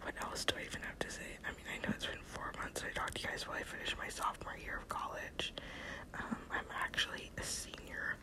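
A twenty-year-old American woman whispering a casual, rambling ASMR personal update in a soft, breathy voice. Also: quick pace. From Texas, United States. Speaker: ASMR video creator.

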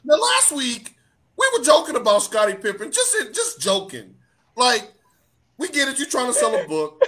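A man hosting a casual sports talk show, animated and joking, sometimes dropping his voice low for comic effect. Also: normal speed. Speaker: host.

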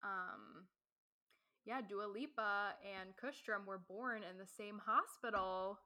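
A woman's voice: medium pitch, slow, pushed and bright. A young woman co-hosting a podcast in casual live stream chat, laughing often and leaning on "like". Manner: chatty, laughing, full of "like". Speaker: podcast co-host.

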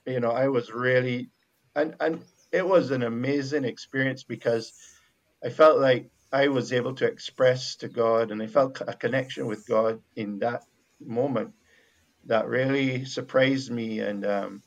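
Gravelly Bajan man, halting and reflective. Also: mid-range voice, fairly even intonation, dull audio. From Barbados. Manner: reflective, halting with many restarts. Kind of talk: casual faith conversation.

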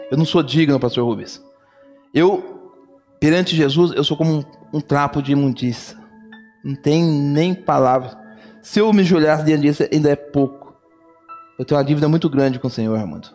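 Fervent preacher, faint music behind. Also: male voice, mid-range voice, darkish tone. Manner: fervent storytelling, repeating phrases. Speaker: pastor. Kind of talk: sermon.

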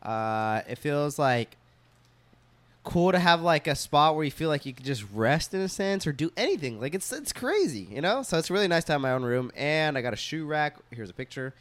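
A man co-hosting a podcast, talking casually and rambling with lots of fillers and the odd swear, with a fairly high voice. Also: sing-song, normal speed, fairly bright tone, no room sound. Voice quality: high-pitched voice, in his own words. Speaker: podcast co-host. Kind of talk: casual chat.

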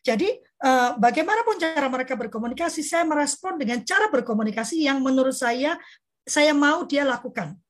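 A woman moderating a discussion, explaining by acting out example dialogues and slowing on key points. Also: sits high, animated. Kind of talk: discussion talk.

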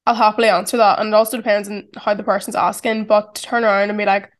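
A woman's voice: medium pitch, flat delivery, quick pace. A woman in her twenties with a strong Irish accent, talking through a casual, reflective solo podcast and saying "like" often. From Ireland. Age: 20s. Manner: chatty, reflective, heavy use of "like". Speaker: podcast host.

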